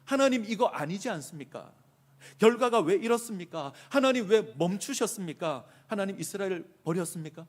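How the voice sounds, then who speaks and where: A man's voice: a little high, animated, fairly quick, husky. A man voicing a weary, aggrieved male prophet who pleads with God and complains in impassioned rhetorical questions.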